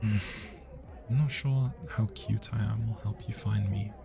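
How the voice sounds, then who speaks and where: Shy, smitten British student, played by a man, low and gravelly, soft hesitant ASMR delivery with party music behind. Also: fairly even intonation, takes it slowly. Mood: tender, hopeful. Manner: soft, hesitant, breathy sighs and whispers. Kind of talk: intimate roleplay ASMR acting. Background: party music and crowd chatter.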